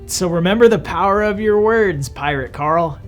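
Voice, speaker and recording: A man's voice: sits high, normal speed, soft background music. A young man hosting a children's Bible lesson, explaining patiently and in a friendly way. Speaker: children's ministry host.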